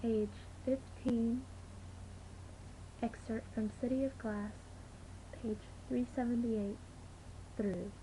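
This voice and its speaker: Woman reading her audition slate, kinda high soft-toned voice, some background noise. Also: fairly even intonation, slow, pauses often, low-quality recording. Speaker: amateur voice actor auditioning. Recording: clear background hiss and room noise.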